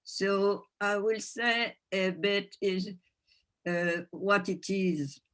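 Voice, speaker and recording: A woman's voice: mid-range voice, fairly even intonation, very slow, a bit bright. A woman with a French accent, a native French speaker, gives an informal teaching talk to a group, searching for words in her second language. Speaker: workshop presenter.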